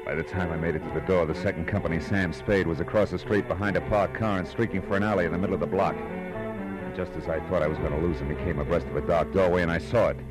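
An actor playing a tough, brusque American private detective in an old radio drama, clipped and wry. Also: male voice, sits low, steady tone, fast talker, over music, close to an everyday voice, rough recording. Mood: tense narration. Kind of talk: 1940s American radio drama, narration and dialogue.

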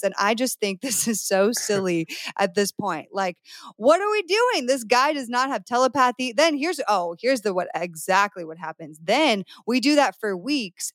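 A woman's voice: on the high side, no echo. A woman, hosting a podcast as a dating coach, bubbly and enthusiastic. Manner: bubbly, enthusiastic, acts out quotes.

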